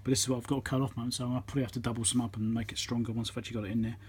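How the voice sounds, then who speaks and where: An electronics repairer demonstrates a fix in an informal, matter-of-fact tutorial, thinking aloud as he works, filmed on a phone mounted on a tripod. His mid-range voice races along with a flat delivery, sounding a little mellow and slightly rough.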